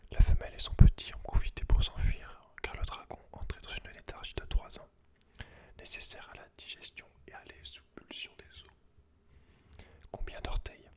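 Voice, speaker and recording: A man speaks in a breathy, unvoiced whisper, informal and close to the listener, as in an ASMR reading. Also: moderate pace. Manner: informal, slangy, talks directly to one listener. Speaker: ASMR creator. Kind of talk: whispered ASMR, casual commentary and reading aloud from a book.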